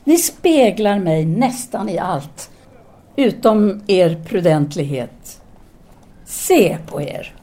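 A woman's voice: fairly low pitch, lively intonation, dark tone, close to an everyday voice. An actress playing a candid, brooding intellectual Parisian woman in an audio drama, speaking formal dialogue in an earnest, articulate way. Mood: admiring, teasing.

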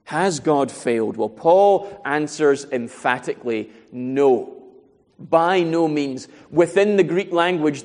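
Guy preaching, slightly high voice, earnest, lots of rhetorical questions, hall echo trailing. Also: a little mellow. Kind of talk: sermon.

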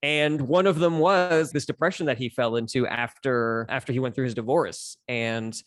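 Telling personal stories candidly and articulately, a forty-something stand-up comedian from Los Angeles guests on a podcast in casual conversation with an American accent. His mid-range voice holds a steady tone at normal speed, and the recording is dry.

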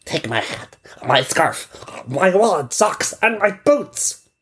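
Eager, generous little children, as a man puts them on, high and bright above his own voice, with a husky edge. Kind storybook kids. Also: big pitch swings, slow pace, full character voice.

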